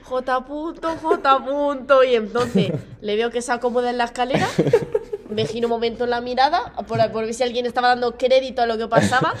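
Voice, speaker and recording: A young woman with a Spanish accent, a podcast co-host telling a party story in a lively, teasing way. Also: on the high side, quick pace. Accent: Spain. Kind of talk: casual chat. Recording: live audience in the room. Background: audience sounds.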